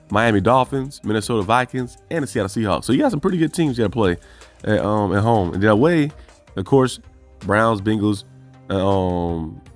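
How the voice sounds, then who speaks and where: Low-voiced man rambling about his team. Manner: rambling, thinks aloud, self-correcting. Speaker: fan channel host. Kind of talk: casual solo sports commentary.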